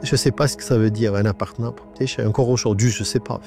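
A man in his nineties gives a halting personal testimony in a radio interview. His voice is disguised by an AI voice changer. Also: mid-range voice, steady tone, creaky, a little mellow, faint music behind. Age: 90s. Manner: halting, with many restarts and repetitions. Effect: voice altered by an AI voice changer.

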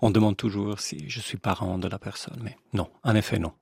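Italian-accented young man, radio guest, gravelly low voice, halting French full of fillers, dry studio sound. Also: a little mellow, no room sound. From Italy. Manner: hesitant, many fillers and restarts, laughs often. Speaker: guest musician. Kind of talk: radio interview.

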